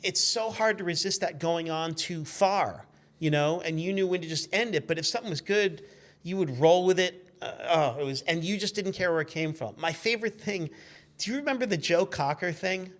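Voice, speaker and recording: Middle-aged man, higher-pitched storyteller. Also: moderate pace. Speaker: podcast guest, former radio intern. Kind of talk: casual storytelling.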